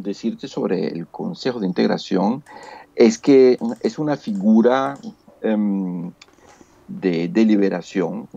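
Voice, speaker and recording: Slow, gravelly Venezuelan man, muffled audio. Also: fairly low pitch, dark tone, dry recording. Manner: hesitant, halting with frequent pauses. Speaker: guest, local politician and civil engineer. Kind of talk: interview answer. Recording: dull, lo-fi remote call audio.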